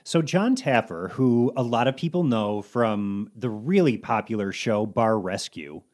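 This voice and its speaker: A man co-hosting a podcast, chatting casually with lively storytelling. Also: fairly low pitch, a little slow. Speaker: podcast co-host. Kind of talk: casual chat.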